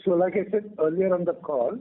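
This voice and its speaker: A tinny telephone line carries a man with an Indian accent and a fairly high voice. He is a company executive explaining things on a business call. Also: brisk, a little hiss or hum. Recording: tinny narrow phone line.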